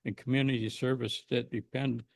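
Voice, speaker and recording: A man's voice: medium pitch, level tone, moderate pace, creaky, no room sound. A man in his seventies with an American accent, giving an earnest, emphatic prepared speech as a resident at a public meeting. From United States, Pacific Northwest. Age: 70s.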